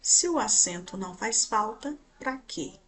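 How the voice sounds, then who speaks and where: Husky Brazilian woman teaching a class. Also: mid-range voice, lively intonation, unhurried, a bit bright. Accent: Brazilian Portuguese. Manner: explanatory, pointing at slides, with frequent check-in questions. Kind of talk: classroom grammar lesson.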